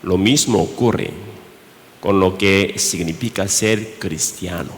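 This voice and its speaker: A man's voice: low voice, a little hiss or hum. Man, Korean accent, pastor, sermon, rhetorical questions, long church reverb. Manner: slow, halting delivery with rhetorical questions.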